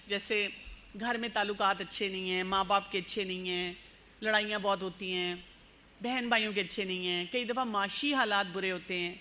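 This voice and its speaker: A woman giving a frank, lively lecture on parenting and youth, acting out little scenes as she goes. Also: medium pitch.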